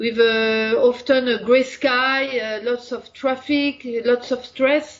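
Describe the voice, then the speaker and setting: Speaking in a French accent, a woman uses a high pitch at a very slow pace. Her intonation is monotone and flat. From France. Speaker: singer. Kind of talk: interview. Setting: remote call. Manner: halting.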